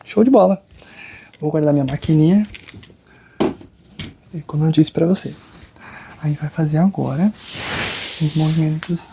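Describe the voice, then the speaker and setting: A Brazilian man in a soft-spoken ASMR roleplay as a chiropractor, reassuring and hushed, guiding the listener step by step and sometimes slipping into a whisper. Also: fairly high pitch, normal speed, creaky, pauses often. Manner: reassuring, talks the listener through each step. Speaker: ASMR creator playing a chiropractor. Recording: close binaural recording with background noise.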